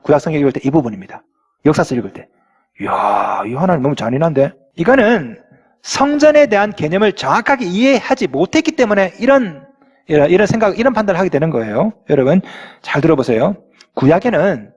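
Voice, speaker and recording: A male pastor reads scripture during his sermon and puts rhetorical questions to the congregation. He has a high, slightly rough voice, recorded with long hall reverb in a church.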